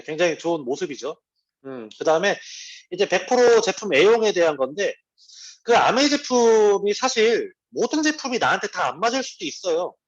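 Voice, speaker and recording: A man speaks at a team meeting, his fairly high voice swinging up and down as he talks. He keeps it conversational and drops in personal asides and quick checks like "right?". The sound is a little dull and lo-fi. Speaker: network marketing team leader. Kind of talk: motivational business talk.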